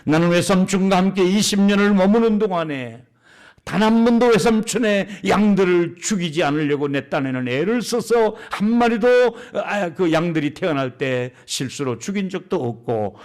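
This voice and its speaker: A man's voice: sits high, a little mellow. A man acting out Jacob, a grown man protesting unfair treatment, in an indignant run of rhetorical questions.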